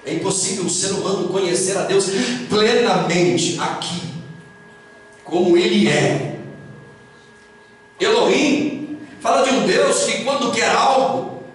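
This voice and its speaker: High-voiced Brazilian pastor preaching in an echoey church. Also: male voice. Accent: Brazilian Portuguese. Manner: emphatic preaching, slow and deliberate, bursts of raised voice. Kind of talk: sermon. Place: church hall. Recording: echoey hall from far off.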